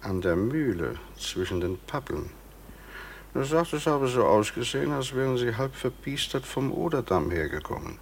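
An actor playing a formal, probing justice official in a radio crime drama, with measured, insistent questioning. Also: male voice, mid-range voice, big pitch swings, slight background noise. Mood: sceptical, pressing. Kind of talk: German radio play acting.

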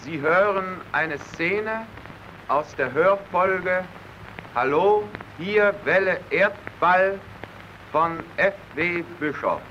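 A man's voice: sits high, sharp tone. A man announcing formally in the declamatory manner of 1920s radio. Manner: slow, declamatory. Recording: dull, noisy old radio archive recording.

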